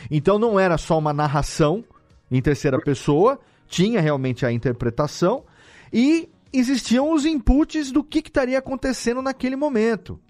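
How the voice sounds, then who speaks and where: A Brazilian man talking casually as an interviewed audio editor, explaining things in an animated way with rhetorical questions. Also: high voice, normal speed, soft background music. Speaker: audio drama editor and podcast guest.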